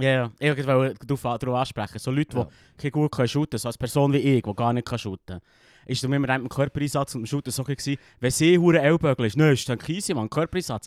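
On a very clean recording with a silent background, a man talks at a very fast pace with a medium pitch and ordinary pitch variation, the sound dry and close with no echo. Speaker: podcast co-host. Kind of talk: casual chat.

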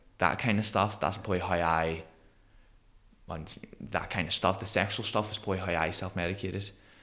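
The voice has a bright, sharp tone and a Northern Irish accent, with fairly even intonation. It moves at a fairly quick pace but breaks into long, frequent pauses. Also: man, very deep, low pitch for a man. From Northern Ireland, Belfast. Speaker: motivational speaker, former police officer. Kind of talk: casual interview.

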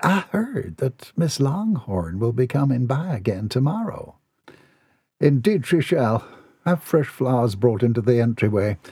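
Delivered at a moderate pace, this man's voice sits at a medium pitch with very wide pitch swings. It is somewhat breathy, with a dark, mellow tone. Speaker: audiobook narrator. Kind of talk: literary audiobook reading, narrating a novel. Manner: dramatic, voicing characters in period comic tone; expressive, storyteller pacing.

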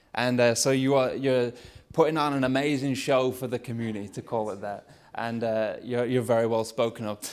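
A man talks at a medium pitch with a Lancashire accent. His pace is fairly quick. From Lancashire, northern England. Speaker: pastor. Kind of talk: sermon. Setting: church. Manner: animated, casual.

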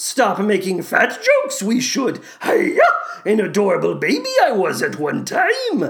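A put-on character voice speaks at a moderate pace with a fairly high pitch. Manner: clumsy impression, admitted to be bad.

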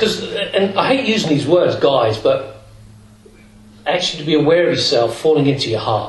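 Noticeable background noise runs under a man's high-pitched voice. He speaks at a moderate pace with very wide pitch swings. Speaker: retreat participant. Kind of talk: group dialogue.

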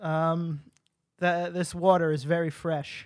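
In a put-on character voice that is nasal and middle-pitched, the speaker goes at a fairly slow pace with a flat, monotone delivery.

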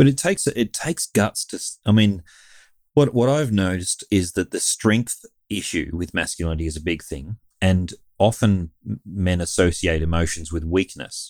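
Spoken with an Australian accent and lively intonation, the voice comes through a very clean recording with a silent background and a dry, close sound with no echo. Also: man, very deep, low pitch for a man, moderate pace. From rural Australia. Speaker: podcast host. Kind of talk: casual chat.

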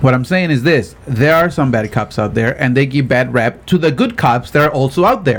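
This man, with a Spanish accent and a medium pitch, talks at a moderate pace with ordinary pitch variation and hardly any pauses. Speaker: podcast co-host. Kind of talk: casual chat.

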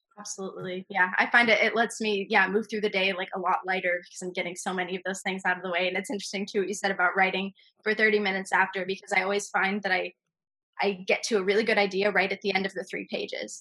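A woman with an American accent at a medium pitch, very fast, with a bright, sharp tone and monotone, flat intonation. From Pittsburgh, Pennsylvania. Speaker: artist and student. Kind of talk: casual chat. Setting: video call. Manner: halting.

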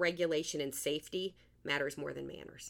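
Her Midwestern US accent clear, a woman talks at a fairly quick pace with fairly even intonation. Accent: US Midwest. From Iowa, Des Moines. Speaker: pediatric speech language pathologist, podcast host. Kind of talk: casual chat. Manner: fast.

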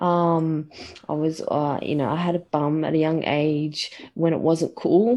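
This woman has a very deep, low pitch and an Australian accent. She talks at a fairly slow pace with fairly even intonation. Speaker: personal trainer. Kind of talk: casual chat.

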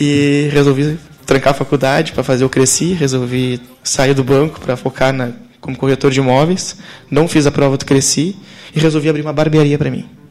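A man in a normal speaking voice, fairly quick in pace with fairly even intonation. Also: fairly high pitch for a man. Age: 20s. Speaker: startup founder. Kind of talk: radio interview. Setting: studio.

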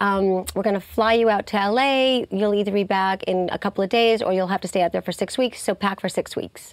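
A woman with an American accent speaks at a fairly quick pace in a plain, everyday voice, her pitch medium and her intonation fairly even, her loudness very even, and the sound dry and close with no echo. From New York. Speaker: voice actress. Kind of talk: casual interview.

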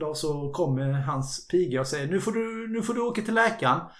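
This man talks at a fairly quick pace with lively intonation. Room echo is audible. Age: 30s. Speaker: podcast co-host. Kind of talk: casual chat.

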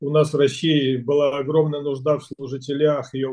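A man's somewhat breathy voice. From Siberia, Russia (Omsk region). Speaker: retired Baptist pastor and church leader. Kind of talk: interview.

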